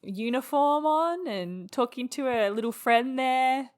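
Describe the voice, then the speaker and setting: A woman's voice: high-pitched, unhurried, clear, resonant tone. A woman co-hosting a podcast, chatting casually about an anime and laughing often. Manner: giggly, enthusiastic. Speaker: podcast co-host. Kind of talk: casual chat recapping an anime.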